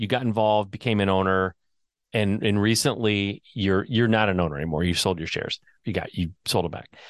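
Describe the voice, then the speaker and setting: An unremarkable speaking voice from a man of fairly low pitch, at a fairly quick pace with ordinary pitch variation, over a quiet background. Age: 50s. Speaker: podcast host and real estate investor. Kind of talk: casual interview chat.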